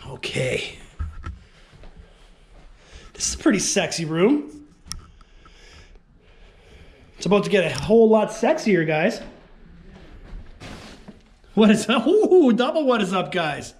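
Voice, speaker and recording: Excitable man exploring a house. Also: high-pitched, unhurried, long pauses, slight background noise. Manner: excitable, keeps calling out to viewers. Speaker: urban explorer vlogger. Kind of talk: casual exploring vlog to camera. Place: empty abandoned house, indoors. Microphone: handheld action camera.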